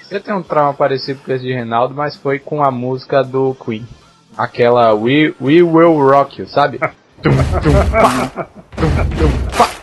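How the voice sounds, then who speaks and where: A Brazilian man co-hosting a podcast, teasing the others and telling his own story with wisecracks. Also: on the high side. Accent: Brazilian Portuguese. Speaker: podcast co-host. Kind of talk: casual chat. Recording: slightly muffled podcast audio.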